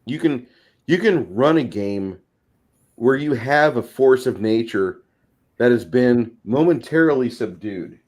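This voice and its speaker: A man's voice: medium pitch, expressive, a little slow, a little mellow. A man casually explaining ideas as host of a tabletop gaming discussion, in a rambling, recommending way.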